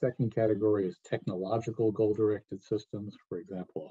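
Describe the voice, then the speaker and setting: Over a quiet background, a man speaks in a somewhat breathy voice with a fairly low pitch. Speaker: biology professor. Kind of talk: pre-recorded lecture. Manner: fast. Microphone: webcam.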